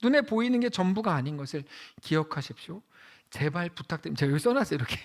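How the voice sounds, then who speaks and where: A male pastor preaching a sermon in a conversational way, asking the congregation questions and swinging from loud exclamations to hushed lines. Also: a little high, lively intonation, quick pace.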